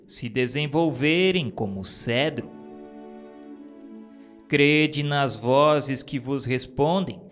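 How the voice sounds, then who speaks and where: A solemn divine spirit preaches slowly and gravely, voiced by a man. The delivery is measured and declamatory, each phrase weighed. Soft music plays faintly underneath. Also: on the high side.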